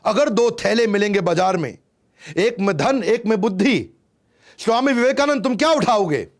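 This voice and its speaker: A man voicing an arrogant, irritable English male professor who talks loudly and mockingly. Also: high-pitched, animated, moderate pace, voice pushed up. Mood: challenging. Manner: loud, raised and taunting.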